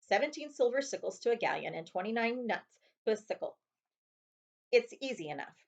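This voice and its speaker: Gruff, kindly big man, played by a woman, folksy rustic grumbler for a storybook, slightly lo-fi sound. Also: fairly high pitch, lively intonation, a little fast, pitched above the performer's own voice. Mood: helpful. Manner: folksy, clipped rustic phrasing.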